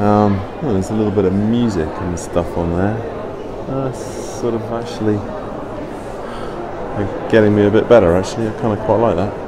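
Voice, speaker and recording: A man's pitch varies in an ordinary way as loud noise fills the background. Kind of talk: casual walking commentary. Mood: enthusiastic, upbeat. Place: hall. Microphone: phone near.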